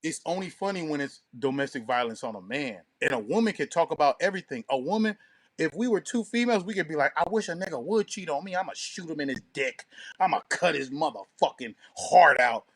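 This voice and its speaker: A man's voice: on the high side, expressive, brisk. A man co-hosting a talk show in casual, opinionated discussion, with a slangy and profane way of talking.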